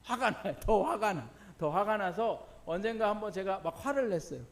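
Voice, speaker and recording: A man's voice: sits high, animated, normal speed. A middle-aged pastor preaching a sermon. He asks the congregation questions, answers them himself and laughs through personal stories.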